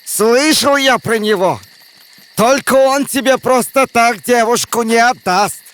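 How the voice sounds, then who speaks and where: High-voiced sly folktale wanderer. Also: male voice, unhurried, a bit bright, clean tone. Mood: friendly, knowing. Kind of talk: animated fairy-tale film acting.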